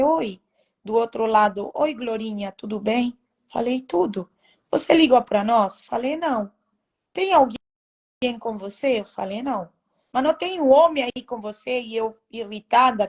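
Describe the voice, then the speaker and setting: A woman telling her personal faith testimony in a halting, emotional way, with many restarts. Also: fairly high pitch, a little mellow, breathy edge. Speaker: testimony speaker.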